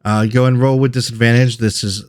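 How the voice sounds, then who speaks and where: A man's voice: medium pitch, fairly even intonation, a little fast, no room sound, clean studio sound. A man narrating as game master of a tabletop game, describing scenes in a loose, self-correcting way.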